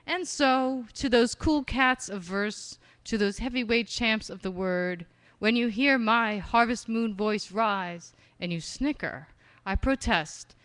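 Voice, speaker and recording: A woman performing spoken-word poetry live at a reading venue on a stage mic, expressive and slowing down on key phrases. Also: a little high, no echo. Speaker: poet.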